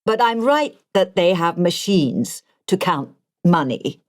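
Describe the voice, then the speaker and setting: Woman playing a slow, precise elderly gentleman. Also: on the low side, big pitch swings, no room sound, clean studio sound. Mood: eager curiosity. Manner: precise, deliberate, self-satisfied. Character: precise, vain, genial eighty-year-old gentleman.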